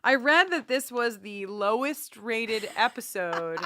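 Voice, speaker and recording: A woman in her forties co-hosting a podcast, chatting and telling stories in an animated, enthusiastic, wandering way. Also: a little high, slow pace, no room sound. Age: 40s. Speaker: podcast co-host. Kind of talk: casual chatty storytelling and banter.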